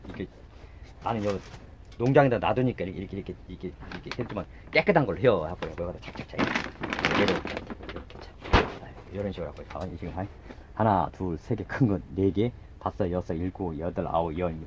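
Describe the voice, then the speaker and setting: A gardening channel host, a middle-aged man, works outdoors beside a house and casually narrates his demonstration with muttered asides and repeated short words. His deep voice runs fairly quick, and the recording is very noisy.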